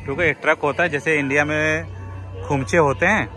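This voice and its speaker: A man's voice: fairly high pitch, fairly even intonation, brisk, bright, forceful tone, faint music behind. Middle-aged Indian man vlogging outdoors. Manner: explanatory, mixes in English exclamations. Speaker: vlogger, father showing his outing. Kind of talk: casual vlog commentary. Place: outdoor parking lot at a public event. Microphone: phone at arm's length.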